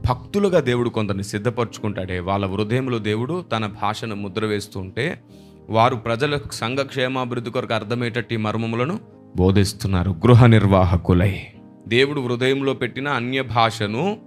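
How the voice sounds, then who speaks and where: A man's voice: mid-range voice, normal speed, soft background music. A man preaching a sermon, emphatic and repeating phrases for stress. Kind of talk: Telugu sermon.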